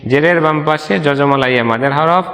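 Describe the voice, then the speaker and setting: A man teaching Quran reading, spelling letters slowly and chanting verses. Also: on the high side, a bit bright, in a large hall. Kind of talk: step-by-step Quran recitation lesson.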